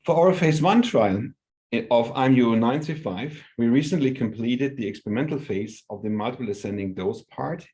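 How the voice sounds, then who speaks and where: A man giving a prepared company update on an earnings call as an executive, formal and measured in his phrasing. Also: lowish voice, dark tone.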